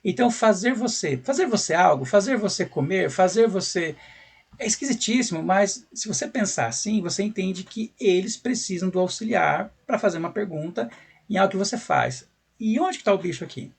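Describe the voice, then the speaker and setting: A man's voice: sits high, lively intonation, moderate pace, gravelly, husky. A man with a Brazilian Portuguese accent teaching English in a video lesson, speaking conversationally and asking frequent rhetorical questions with a tag "né".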